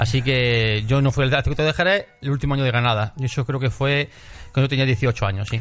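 A man with a plain, everyday voice talks fairly quickly at medium pitch, with ordinary pitch variation and very even loudness. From Jaén, Andalusia. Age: 40s. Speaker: comedian. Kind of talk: casual chat.

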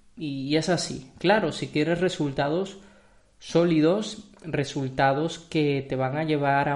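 This man's voice sits at a fairly high pitch for a man. His pitch varies in an ordinary way. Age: 30s. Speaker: podcast host. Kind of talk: casual monologue. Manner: energetic.

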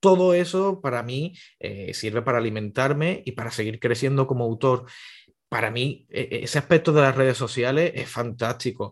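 A man's ordinary speaking voice at a medium pitch and moderate pace, with ordinary pitch variation over a quiet background. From Cádiz, Andalusia, Spain. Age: 30s. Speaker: novelist and marine sergeant. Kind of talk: interview.

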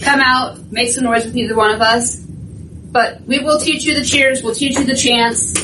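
A woman with an American accent speaks at a moderate pace and a fairly high pitch, her intonation fairly even. Noticeable background noise and audible room echo surround her voice. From US Midwest, Des Moines, Iowa. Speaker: soccer supporters group leader. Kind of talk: casual interview.

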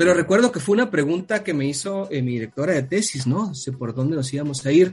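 A man's fairly high, somewhat breathy voice, fairly quick, with lively intonation. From Tijuana, Mexico. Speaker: social researcher and artist. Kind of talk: interview. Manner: halting, many fillers.

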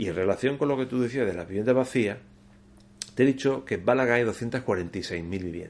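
A man speaks at a moderate pace in a medium pitch, with ordinary pitch variation and an unremarkable speaking voice. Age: 50s. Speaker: municipal housing official. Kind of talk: interview. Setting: office.

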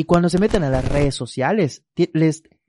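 The sound is dry and close with no echo as a man speaks at a moderate pace. His fairly high-pitched voice has a dark, mellow tone. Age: 30s. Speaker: podcast host and journalist. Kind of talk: casual chat.

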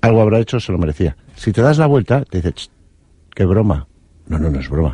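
Very fast and very deep, a man's dark, mellow voice with vocal fry swings widely in pitch in a dry, close sound with no echo. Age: 50s. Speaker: psychologist. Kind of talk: interview. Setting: studio with live audience.

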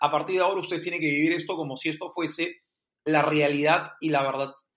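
His intonation holds fairly even. The man's pitch is high. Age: 40s. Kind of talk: debate-style interview.

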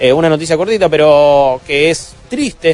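With noticeable background noise behind him, a man talks in a Rioplatense accent. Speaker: gaming show host. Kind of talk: casual chat.

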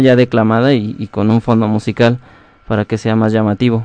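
A medium-pitched man speaks in a flat monotone at a moderate pace. The sound is dry and close, without echo. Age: 20s. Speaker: poet. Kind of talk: interview. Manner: halting. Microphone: too quiet.

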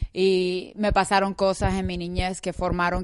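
Over a quiet background, a woman talks at a moderate pace with monotone, flat intonation. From Bolivia. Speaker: female boxing champion. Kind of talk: casual interview. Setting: in-person interview at home.

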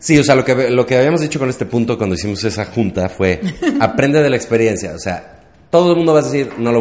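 Here a man talks at a very fast pace and a medium pitch. His intonation is lively. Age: 30s. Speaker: comedian and podcast co-host. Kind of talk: casual chat. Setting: roof garden with echo.

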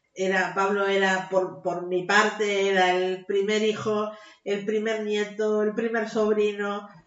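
Audible room echo surrounds a voice that moves at a very slow pace with monotone, flat intonation. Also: woman, medium pitch for a woman. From Uruguay. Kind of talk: interview.

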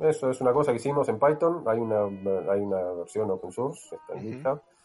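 A man's plain, everyday voice at medium pitch with lively intonation. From Latin America. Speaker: IT security expert. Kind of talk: casual chat.

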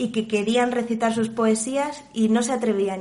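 A woman's fairly high voice at a moderate pace, with audible room echo. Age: 30s. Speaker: journalist and voice-over artist. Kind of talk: interview.

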